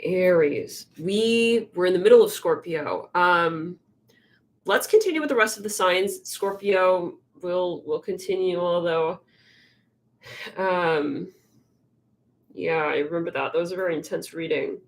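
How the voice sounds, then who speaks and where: A young woman rambles through a casual live tarot stream, stopping and restarting with plenty of fillers. Her voice is a little congested. She often drops into quiet murmurs to herself between thoughts. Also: fairly low pitch, measured pace.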